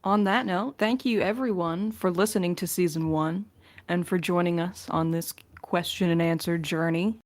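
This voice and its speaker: A woman's voice: on the low side, normal speed. A woman in a casual podcast Q&A, talking playfully as one of the crew fielding questions.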